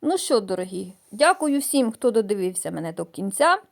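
A middle-aged woman from the Mykolaiv region of Ukraine, chatting homely and hesitantly in a casual vlog, with many fillers and pauses. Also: medium pitch, sing-song, vocal fry. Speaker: gardening vlogger. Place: outdoors in a village garden. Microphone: voice-over added after filming.

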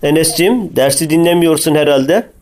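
A man's voice: fairly high pitch, normal speed, a little mellow, close to an everyday voice. A man voicing a kindly, curious school teacher in a comic cartoon, asking leading questions fondly. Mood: teaching. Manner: addresses pupils fondly, asks leading questions. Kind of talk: scripted comic cartoon dialogue.

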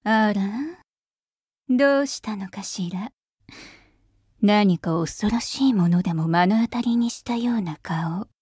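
An aloof witch, as a woman plays her, talks down to others in cool, ladylike tones. The voice is very husky and breathy, with slow, deliberate delivery. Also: medium pitch, a little mellow, no room sound, clean studio sound, voice pushed down. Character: aloof, nameless adult witch, haughty and teasing.

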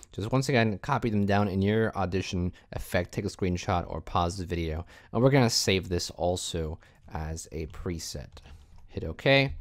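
A man hosting a software tutorial, narrating casually and giving informal step-by-step instructions. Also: low voice. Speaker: tutorial host. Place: indoors, voice-over for screen recording.

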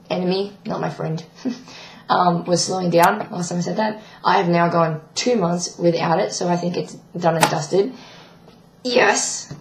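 Croaky young trans man, webcam vlog. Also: high-pitched, echoey room, slight background noise. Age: young adult. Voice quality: croaky, breaking voice. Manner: rambling, many ums, self-correcting. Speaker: vlogger. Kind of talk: casual video diary update. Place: small bedroom indoors. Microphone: webcam at desk.

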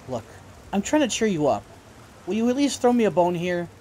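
A man's voice: sits high, very animated, normal speed, a little mellow, slight background noise. A man playing a teasing, upbeat werewolf friend in his twenties in an audio drama. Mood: encouraging.

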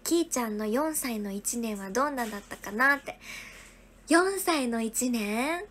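High-voiced young woman, soft and whispery. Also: animated, a little slow, a little hiss or hum. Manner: soft, often whispery, thanking viewers one by one. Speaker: livestream host. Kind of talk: casual livestream chat reading viewer gifts.

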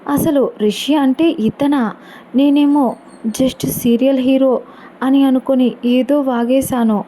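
A hot-tempered young college girl , as a woman narrator puts her on, indignant and muttering to herself in a storybook voice. She sits higher than the narrator and drags out her words slowly. The tone stays mellow and warm. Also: fairly even intonation. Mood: regretful, annoyed. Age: young adult.

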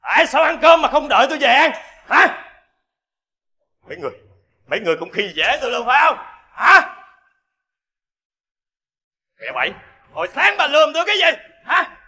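An actor playing a violent young drug addict who yells threats at his neighbors, with a Southern Vietnamese accent. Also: very high-pitched, wildly swooping pitch, a little fast, long pauses, exaggerated voice. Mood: raging threats. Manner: menacing, yelling threats. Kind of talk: TV crime reenactment drama.

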